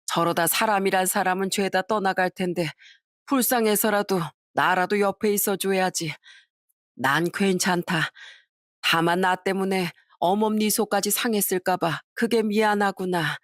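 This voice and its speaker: A woman voicing a kind, long-suffering mother-in-law in her sixties who speaks softly and wearily. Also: medium pitch, normal speed, dry recording, clean studio sound, natural voice. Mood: weary. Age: 60s. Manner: soft, weary, pleading.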